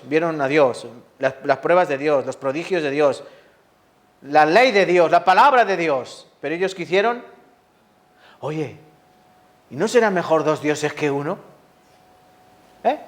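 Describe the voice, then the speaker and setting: A man preaching a sermon, lively and full of rhetorical questions to the congregation. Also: sits high. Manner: lively, asks the audience rhetorical questions, acts out quotes.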